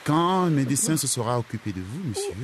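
An actor playing a firm, steady police officer at a road crash, speaking calmly and insistently. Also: male voice, mid-range voice, fairly quick, crowd noise, lightly acted. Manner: calm, insistent.

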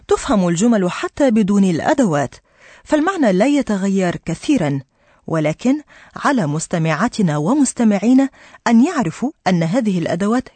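A woman teaching a radio language lesson, explaining patiently and clearly to her listeners. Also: medium pitch, darkish tone, no room sound.

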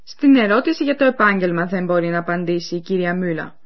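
A woman presenting a radio language course, explaining clearly and speaking to listeners in scripted educational narration. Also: on the low side, animated. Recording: dull lo-fi radio recording.

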